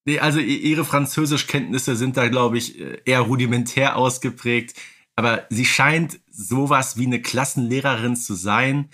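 A man's voice: mid-range voice, fairly even intonation, moderate pace, a bit bright. A man talking in an explanatory, conversational way as co-host of a casual podcast, often adding tag questions.

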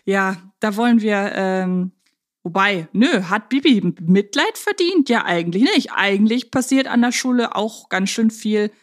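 A woman's voice: mid-range voice, animated, measured pace. A woman co-hosting a podcast in a casual, humorous, chatty style. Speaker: podcast host.

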